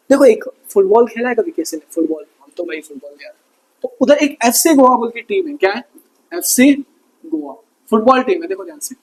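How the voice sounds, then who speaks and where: High husky man teaching with quiz questions. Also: darkish tone, rough recording. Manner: repeats terms as quiz questions, joking asides. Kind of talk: online lesson.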